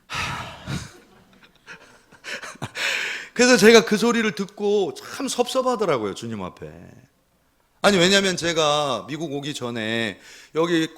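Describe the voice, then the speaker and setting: A man's voice: fairly high pitch, very animated, slow pace, fairly bright tone. A middle-aged man preaching a Sunday sermon as pastor, telling stories and acting out the voices he quotes. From South Korea.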